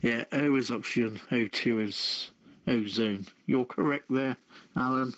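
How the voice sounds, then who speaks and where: A man with a slow, drawn-out delivery and medium pitch, joking casually as he answers quiz questions. His voice sounds dull on lo-fi chat audio. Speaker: quiz contestant. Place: online push-to-talk voice chat.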